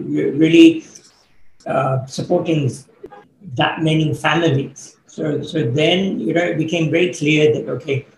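Gravelly man in an echoey room. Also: fairly high pitch. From born in Kenya, grew up in the UK. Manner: thoughtful, fillers, measured. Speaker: guest, business coach. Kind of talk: interview answers. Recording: echoey room, faint background noise.

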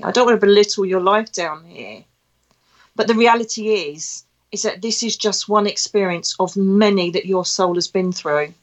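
A woman with an Essex accent speaking as a podcast host in a conversational, emphatic spiritual monologue. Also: mid-range voice. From Essex, England. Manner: chatty and emphatic, with rhetorical questions. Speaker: podcast host and psychic medium.

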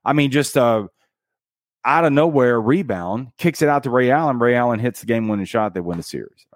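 Male host, motivational book talk, animated pitch, dry close sound, punchy emphatic delivery. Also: brisk, no echo. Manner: energetic and emphatic, with dramatic counting and punchy one-word beats; casual slang like "dude" and "bro".

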